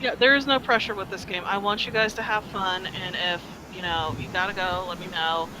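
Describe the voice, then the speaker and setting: A game master talking casually with players before a tabletop session. The delivery is relaxed and hesitant, full of ums, from someone not feeling well. Clear background noise runs under the voice. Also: medium pitch, brisk. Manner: relaxed and accommodating, many ums. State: feeling unwell.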